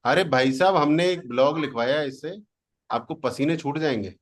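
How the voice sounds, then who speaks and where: A man's voice: a little high, moderate pace, a little hiss or hum. A man from India running an online class as a digital marketing coach, teasing and boastful, slipping English words into his Hindi. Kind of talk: live online class demo.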